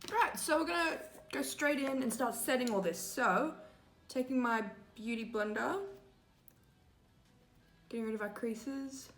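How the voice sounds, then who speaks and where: A young woman chats through a makeup tutorial in a loose, filler-heavy way, her voice a little hoarse. She sits close to the camera in a small room that rings with echo. Faint music plays underneath. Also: high-pitched, measured pace, pauses often, fairly bright tone. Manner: chatty, lots of "like" fillers. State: slightly hoarse, losing her voice. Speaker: makeup vlogger. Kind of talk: casual makeup tutorial chat. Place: small indoor room before a grey backdrop.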